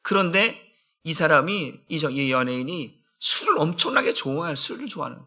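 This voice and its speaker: A man's voice: on the high side, lively intonation, fairly quick, sharp tone. A middle-aged man, a senior pastor, giving an emphatic dawn prayer sermon and acting out friends' taunts in casual speech.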